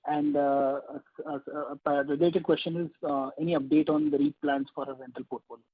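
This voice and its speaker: A man's voice: on the high side, flat delivery, a little fast, slightly rough, no echo. A man with an Indian accent, a financial analyst, puts questions to management on an earnings call. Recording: tinny, dry phone line.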